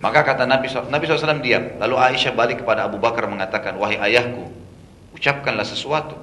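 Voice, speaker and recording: A man preaches a storytelling sermon with a bright, forceful voice. He retells events in a lively way, acts out the speakers he quotes, and drops casual asides. The room is echoey, with faint background noise. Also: medium pitch, rapid-fire. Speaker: Islamic preacher.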